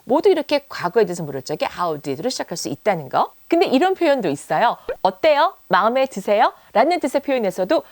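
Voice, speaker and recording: A woman teaching an English lesson on video, drawing out her example sentences slowly and voicing them with admiration. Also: medium pitch, very animated, darkish tone, no room sound.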